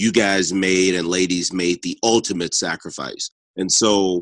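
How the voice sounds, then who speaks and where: Against a quiet background, with dry, close sound and no echo, a man with an American accent speaks in a normal speaking voice at a fairly slow pace with ordinary pitch variation. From Texas, Dallas. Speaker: career coach and speaker. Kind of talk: interview. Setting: live stream.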